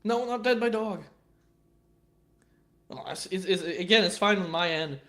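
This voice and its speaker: A young man in his twenties rambles through a casual live-stream chat. His voice sits a bit high for a man. He swears freely and keeps tripping over stammered restarts. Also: measured pace, fairly bright tone. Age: 20s.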